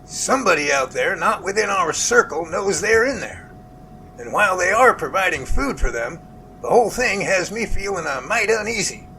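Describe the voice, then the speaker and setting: A man playing a jovial, earnest research professor in an amateur audio drama, with animated, folksy phone talk. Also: high-pitched, moderate pace, creaky, slight background noise, exaggerated voice, rough recording. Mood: concerned, intrigued.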